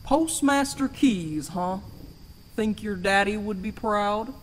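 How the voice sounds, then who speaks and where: Sly, slow-drawling mysterious stranger, acted by a woman. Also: medium pitch, a little hiss or hum, lightly acted, poor audio. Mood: teasing. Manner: folksy, slow, teasing. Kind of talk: audio drama acting.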